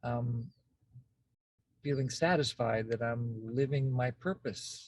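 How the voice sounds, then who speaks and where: A somewhat breathy man's voice at a very slow pace. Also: medium pitch for a man, ordinary pitch variation. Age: 60s. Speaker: meditation and communication practice group leader. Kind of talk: guided meditation; group facilitation instructions. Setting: video call from a car. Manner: halting.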